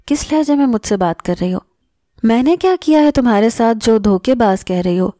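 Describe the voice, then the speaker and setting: Lady reading cocky young mechanic guy teasing his wife, dark mellow tone, dry close audio story. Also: on the high side, animated, no room sound, natural voice. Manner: mocking, laughing tone at times. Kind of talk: scripted story narration.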